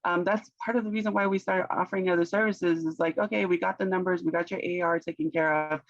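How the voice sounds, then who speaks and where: A woman's voice: fairly low pitch, steady tone, fast, no room sound, lo-fi sound. Non-native woman, thoughtful business guest. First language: not English. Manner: thoughtful, searches for words, laughs often. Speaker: company founder, guest. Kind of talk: conversational business interview.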